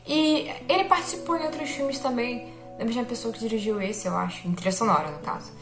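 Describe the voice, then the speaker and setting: A woman's voice: on the high side, fairly quick, reverberant, music in the background. A young woman chatting casually about a film she liked, chatty and self-deprecating, often checking in with her viewers. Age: young adult. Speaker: film vlogger.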